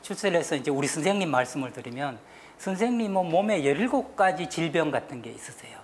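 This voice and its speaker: A woman giving a lively talk show lecture, acting out little scenes and having the panel repeat her lines. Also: sits low, quick pace, slight background noise. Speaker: guest lecturer on stress.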